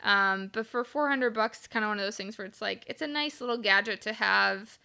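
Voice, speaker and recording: A woman's voice: mid-range voice, a little fast, vocal fry, pushed and bright, smooth. A woman co-hosting a casual chat, talking in a rambling way full of fillers. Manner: chatty, rambling with many likes. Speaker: podcast co-host.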